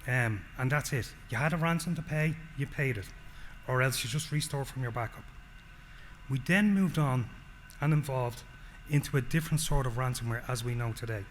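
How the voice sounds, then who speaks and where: An Irish man giving a technical presentation, explaining step by step and often checking in with the audience. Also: medium pitch. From Ireland. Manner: explanatory, frequent "okay?" check-ins. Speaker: solutions engineer presenting. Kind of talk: conference presentation. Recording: long hall reverb, faint noise.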